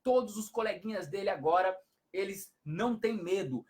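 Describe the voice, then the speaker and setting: A man's voice: high-pitched, moderate pace, a little mellow. A man, a hypnotherapist giving parenting advice on a live stream, who explains things repetitively and often adds tag questions.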